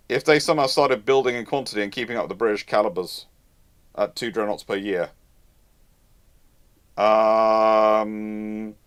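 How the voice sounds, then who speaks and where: A man speaks as the host of a live question-and-answer talk, in a mid-pitched voice. He explains off the cuff with animated emphasis, often doubling back to rephrase his sentences. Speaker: host of naval history live Q&A.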